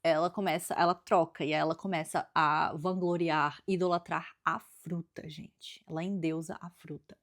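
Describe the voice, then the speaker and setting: A woman's voice: sits low, steady tone, normal speed, few pauses. A woman with a Brazilian accent giving a casual, chatty book review, thinking aloud as she retells the story. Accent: Brazilian Portuguese. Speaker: book vlogger.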